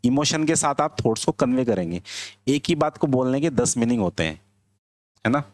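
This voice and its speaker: A man teaches English in a classroom lecture, explaining slowly and checking whether his students understand. His voice is mid-range, expressive and a little mellow, and the recording is dry.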